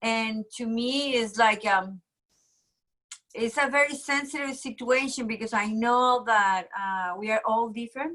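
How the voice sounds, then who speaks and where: A woman with a Latin American accent speaks at a fairly slow pace, her tone bright and sharp and her pitch fairly high. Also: ordinary pitch variation. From South America. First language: Spanish. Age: 50s. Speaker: network marketing businesswoman. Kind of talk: personal testimony. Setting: conference call. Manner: energetic.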